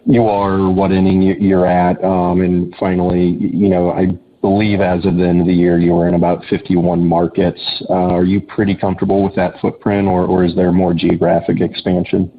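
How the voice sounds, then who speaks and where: A man calling in as an analyst to an earnings call, asking questions in a halting way with stammered restarts. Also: low voice, level tone. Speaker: analyst caller. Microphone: phone. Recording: tinny phone line with faint noise.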